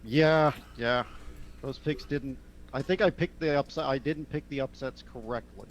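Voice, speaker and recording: A man co-hosts a casual sports podcast at an ordinary middle pitch. He talks in a relaxed, halting way, often pausing on fillers. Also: a little hiss or hum. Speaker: podcast co-host.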